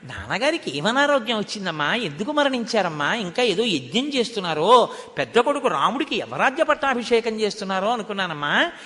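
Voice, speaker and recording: Man voicing a young prince, grieving, pleading, sharp bright tone. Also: high voice, sing-song, a little fast, full character voice. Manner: pleading, questioning tone. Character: grieving young prince, devoted son and brother. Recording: long hall reverb.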